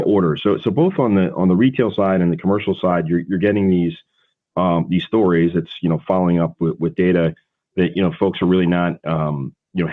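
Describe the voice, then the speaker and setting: A man working as a financial analyst, asking a halting, rambling question on a conference call. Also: low-pitched. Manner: halting, rambling, full of repeated words. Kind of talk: unscripted question on an earnings call. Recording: thin, band-limited phone line.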